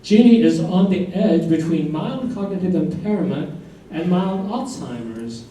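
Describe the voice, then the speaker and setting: Stage play doctor male actor: advising, reassuring, very soft dark tone, lively intonation, distant pickup. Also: high voice, unhurried. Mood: clinical. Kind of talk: staged reading, doctor's instructions. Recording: very echoey distant stage recording, faint noise.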